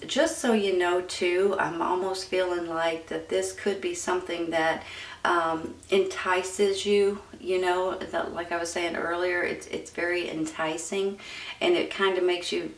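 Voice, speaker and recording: Low creaky-voiced woman, roomy distant sound. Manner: informal, addresses viewers as "you guys", seeks agreement. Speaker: tarot reader and host. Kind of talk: casual conversational tarot reading to viewers. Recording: roomy echo, distant from the mic.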